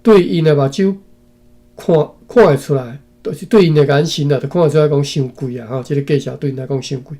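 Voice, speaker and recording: A man from Taiwan with a mellow, fairly high voice reads an old text aloud. He goes phrase by phrase and breaks off for asides to his listeners, often ending them with a tag particle. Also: brisk. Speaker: reader and commentator. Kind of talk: reading a historical text aloud with commentary.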